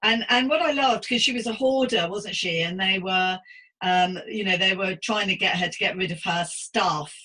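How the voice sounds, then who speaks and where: Bright-voiced chatty woman in her fifties. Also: medium pitch, moderate pace. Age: 50s. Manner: chatty, effusive, encouraging. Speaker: podcast host interviewing a guest. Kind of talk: casual conversational interview.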